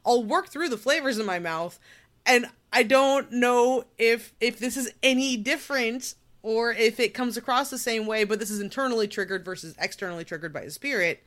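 A woman's voice: a little high, normal speed, fairly bright tone. A woman co-hosting a casual podcast chat, wry and self-deprecating with rambling asides. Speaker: podcast co-host.

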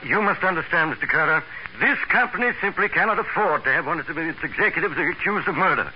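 A man's voice: a little high, animated, fast talker, lightly acted. An actor playing a fretful, self-important male company boss in a 1940s radio drama, formal and insistent. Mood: insistent, worried. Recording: muffled, hissy old radio recording.

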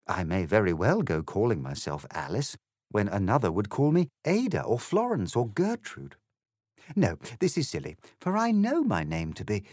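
A man's voice: on the low side, huge pitch swings, moderate pace, darkish tone, no room sound, clean studio sound. A man voicing a confused, indignant little girl in a storybook, speaking primly and earnestly with exclamations. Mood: puzzled.

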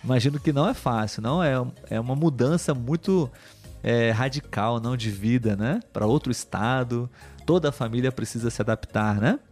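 Brief: man, mid-pitched, patient teacher closing a live stream, faint music behind. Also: normal speed, a little mellow. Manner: patient, teacherly, many "ah" and "né" tags. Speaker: host of a live stream for Portuguese learners. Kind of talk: friendly live-stream wrap-up, reading viewer comments.

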